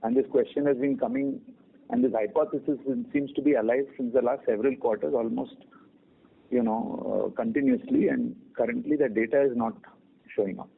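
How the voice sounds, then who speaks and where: Over a narrow phone line, a man with an Indian accent speaks in a creaky, rough voice of medium pitch. He answers questions as a company executive, measured and deliberate. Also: animated.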